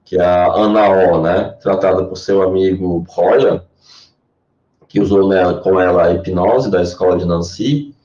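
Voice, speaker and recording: A Brazilian man with a low, mellow voice lays out ideas at length, explaining patiently like a lecturer. His voice is Brazilian Portuguese accented. It reaches the listener through a dull, lo-fi line in an echoey room. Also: fairly even intonation, unhurried, distant mic. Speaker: guest, Jungian therapist. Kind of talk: interview answers.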